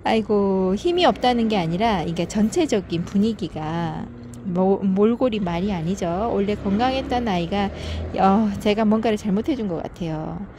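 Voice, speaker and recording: A woman's voice: mid-range voice, lively intonation, normal speed, background noise. A woman filming her home veranda garden, talking fondly and chattily about each plant with little sighs. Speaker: succulent gardening vlogger. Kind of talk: casual narration while filming plants.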